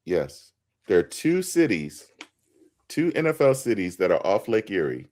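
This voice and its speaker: A man's voice: on the low side, big pitch swings, a little slow, darkish tone. A man hosting a podcast, quizzing his co-host in a playful way and laughing easily.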